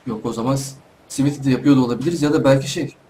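A man's voice: mid-range voice, very fast, warm tone, a little hiss or hum. A young man giving casual let's play commentary from home, chatting to himself and the animals in the game. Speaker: gaming YouTuber.

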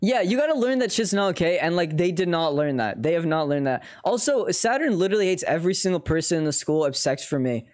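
A man's voice: a little high, expressive, fast, few pauses. Teen guy streaming games, swears a lot, voice jumps all over, casual joking. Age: teens. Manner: loose, profane, joking. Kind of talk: casual gaming chat.

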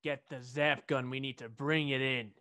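A man's voice: mid-range voice, fairly even intonation, normal speed, heavy background noise, natural voice. A man playing an officious, probing federal agent in an amateur audio drama. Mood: urgent.

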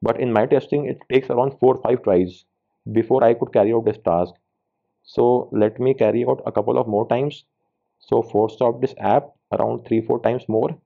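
A man's voice: mid-range voice, fairly even intonation, normal speed, gravelly. Phone-like recording of a man giving a tutorial. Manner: instructional, addresses viewers directly. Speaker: tech tutorial host. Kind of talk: step-by-step screen-recorded tutorial narration. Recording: tinny phone-like band-limited sound.

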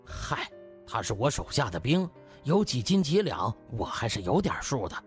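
A man's voice: mid-range voice, big pitch swings, normal speed, soft background music. A man voicing an effusive, self-assured older hospital director in an audiobook, with exclamatory delivery. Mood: dismissive.

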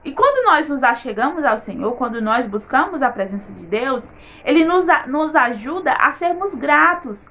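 A woman's voice: sits high, sing-song, moderate pace, sharp tone. A woman giving an earnest faith testimony in her vlog, repeating words for emphasis.

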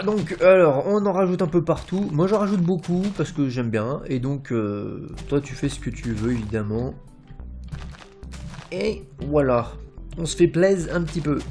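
A man's voice: a little high, a little mellow. Casual man narrating a build. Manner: rambling and informal, many fillers and "hop", playful. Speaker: Minecraft building tutorial host. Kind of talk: casual gameplay tutorial narration. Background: faint background music.

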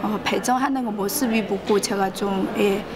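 A woman in her thirties with a foreign accent, a non-native speaker who haltingly repeats words in a casual interview. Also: mid-range voice, fairly even intonation, noisy background. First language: not Korean. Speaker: choir member. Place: large indoor rehearsal hall, interview camera.

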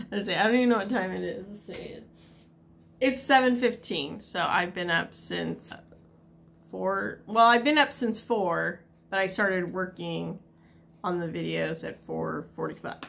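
Speaking in a gravelly, mid-range voice with a fairly bright tone, a woman chats casually in a home vlog. She rambles, using lots of fillers and small laughs, as she lets out her frustration.

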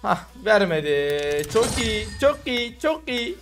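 A young man groans and curses his way through casual mobile gaming commentary. His pitch swoops widely from line to line. Clear music plays underneath his voice. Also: sing-song, takes it slowly. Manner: exasperated, cursing, groaning at bad luck. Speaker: mobile game streamer.

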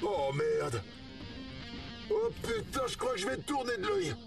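An actor playing an excitable, foul-mouthed, self-deprecating hero in a French-dubbed video game. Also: male voice, very high voice, a little slow, creaky, distant mic, over music, heavily acted. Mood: dismayed, whining. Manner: slangy, swearing, swings from yelling to muttering.

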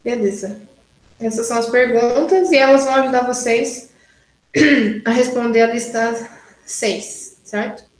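Lady lecturer going thru exercises step by step, kinda high voice, echoey room. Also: unhurried, long pauses. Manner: explains step by step, frequent "né?" and "tá?" checks. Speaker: university lecturer. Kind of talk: online class solving exercises.

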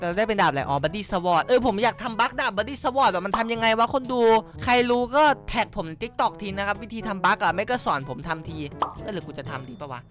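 A man giving excitable, crude, joking commentary while he plays a game, often yelling, close on a desk mic. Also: sits high. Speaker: gaming YouTuber. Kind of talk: gameplay commentary.

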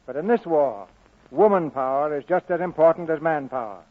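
A man's voice: on the high side, expressive, a little fast. A man hosting a 1940s radio theatre broadcast, reading scripted announcements. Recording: muffled narrowband vintage radio broadcast.

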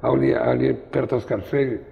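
In a gravelly, mid-range voice with a level tone and moderate pace, an older man from Brazil spins wry, wandering stories during a rambling interview in an artist's studio. He's on a lapel mic, yet the audio is narrow and tinny, with a large-hall sound and a noisy crowd behind him.

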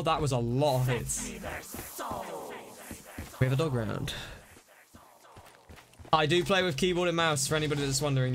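Excitable streamer, hoarse-voiced man. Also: a little high. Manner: excitable, chatty, greets chat by name. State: losing his voice. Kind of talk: live-stream gameplay chat.

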